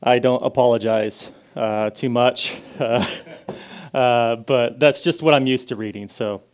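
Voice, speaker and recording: A man preaching a sermon in a casual way, reading scripture with rising emphasis and then praying softly. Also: mid-range voice, steady tone, unhurried. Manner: loud, casual and self-deprecating, reads scripture with rising emphasis, prays softly. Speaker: guest preacher.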